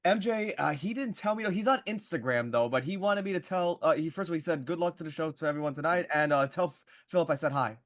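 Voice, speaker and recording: A man hosting a casual panel chat in an informal, slightly halting way. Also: a little high, expressive, dry recording. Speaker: panel show host.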